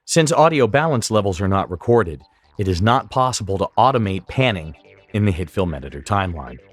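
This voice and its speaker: A man giving step-by-step instructional narration as a software tutorial instructor, explaining clearly what he does on screen. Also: lowish voice, sing-song, brisk, soft background music.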